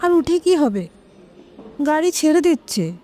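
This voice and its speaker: A woman's voice: sits high, very animated, unhurried, warm tone, slight background noise. An actress playing an impatient, determined woman in an audio drama, pressing her lover in an insistent, dismissive way. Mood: teasing. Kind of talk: Bengali audio drama dialogue. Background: dramatic music.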